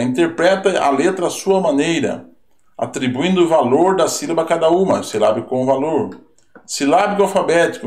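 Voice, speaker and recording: A man's voice: a little high, a little mellow. A man teaching an online lesson that reviews exam answers, talking casually and tagging sentences with little questions, with a Brazilian Portuguese accent. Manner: conversational, asks rhetorical questions, tag words. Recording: roomy echo.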